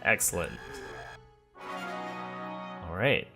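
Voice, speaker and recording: A man's voice: low-pitched, animated, very slow. A man hosting a let's play, thinking aloud in casual, conversational game commentary. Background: game music.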